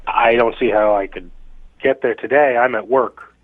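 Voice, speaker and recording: A man's voice: medium pitch, moderate pace. A man heard over the phone while at work, puzzled and irritated, pushing back at the caller. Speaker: prank call target. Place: at his workplace. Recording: tinny dry phone line.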